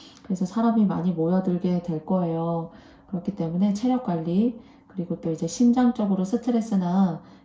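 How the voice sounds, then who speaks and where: Soft-spoken and somewhat breathy, a woman talks at a moderate pace and medium pitch in a dark, mellow tone with ordinary pitch variation. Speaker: tarot reader. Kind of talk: tarot reading. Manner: polite, formal.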